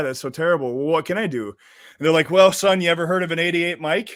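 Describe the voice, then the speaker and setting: With a strong Minnesota accent and an energetic tone, a man speaks at a fairly high pitch with ordinary pitch variation in a very clean recording with a silent background. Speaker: fitness coach and army veteran. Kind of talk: podcast interview.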